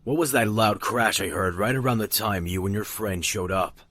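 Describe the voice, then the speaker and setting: A man playing a gruff, suspicious rural rifleman in an audio drama, folksy and threatening, easily rattled. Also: lowish voice, moderate pace, fairly bright tone, dry recording, studio quality. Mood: menacing, suspicious. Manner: folksy, threatening, barking orders.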